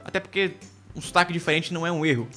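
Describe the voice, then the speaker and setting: Bright-voiced man teaching pronunciation. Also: a little high, soft background music. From United Kingdom. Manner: explanatory, repeats words slowly to model pronunciation. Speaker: English teacher. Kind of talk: online English lesson.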